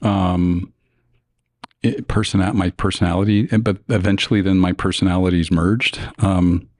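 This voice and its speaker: An American man in thoughtful casual conversation, affirming others and piecing his sentences together haltingly. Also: low voice, steady tone, a little mellow, dry recording, clean studio sound. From United States.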